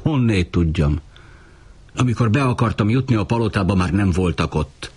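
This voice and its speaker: A man's voice: on the low side, animated, darkish tone, slightly rough, pitched above the performer's own voice. A man reading an audiobook, voicing a blunt, defiant young Jewish man from Rome with terse replies. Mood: curt.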